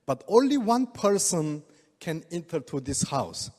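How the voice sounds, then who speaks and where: Older Korean man, slightly high voice. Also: big pitch swings, a little mellow. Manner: halting broken English, chuckles often. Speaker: speaker, oriental medical doctor. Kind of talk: presentation to a live audience. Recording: reverberant hall.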